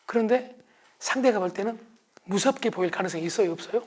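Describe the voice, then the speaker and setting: A man's voice: sits high, fast, crowd noise. A middle-aged man giving a motivational lecture to an audience, acting out quarrels in a raised voice. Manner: animated, acts out quarrels in raised voice.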